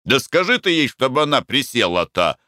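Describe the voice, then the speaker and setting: A man's voice: mid-range voice, very animated, fairly quick, bright, forceful tone, dry recording, studio quality, voice pushed up. A man voicing a bluff, easygoing middle-aged Russian merchant with a blunt, hearty manner.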